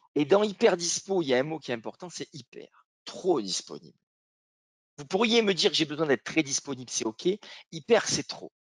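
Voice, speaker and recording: Recorded dry and close with no echo, a man with a fairly high pitch speaks at a moderate pace with lively intonation, long, frequent pauses and big swings in loudness. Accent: Marseille. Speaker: corporate trainer and coach. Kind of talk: webinar presentation. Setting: online webinar.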